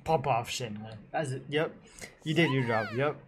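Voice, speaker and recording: A man's voice: mid-range voice, moderate pace, a little hiss or hum. A man giving casual, slangy live reactions as a gaming streamer.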